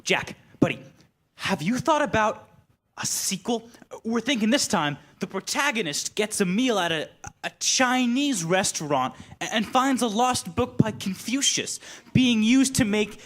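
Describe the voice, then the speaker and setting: Performer as film executive, chummy, opportunistic, sales-pitch manner, medium pitch, comedy stage reading. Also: lively intonation, measured pace, a bit bright. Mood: eager, chummy.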